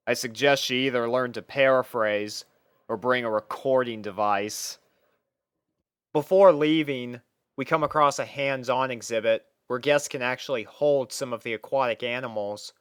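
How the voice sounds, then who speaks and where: Casting: male narrator for fan fiction, smooth mid-range voice, conversational first-person storytelling, close dry sound. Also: mid-range voice, fairly bright tone, dry recording. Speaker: narrator and reader playing the first-person lead.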